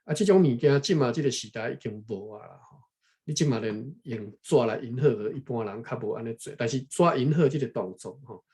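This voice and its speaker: A man from Taiwan reading a history book aloud unscripted, thinking aloud, pausing to look up words and adding frequent tag particles. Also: mid-range voice, expressive, a little mellow. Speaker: reader explaining a history book to viewers. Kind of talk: unscripted read-aloud with running commentary.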